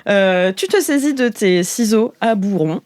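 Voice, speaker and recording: A woman's voice: mid-range voice, lively intonation, unhurried, a little mellow, no room sound. A woman running an improvised tabletop role-playing game, thinking aloud informally and hesitantly as she narrates. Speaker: game master. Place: recording studio. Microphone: studio microphone.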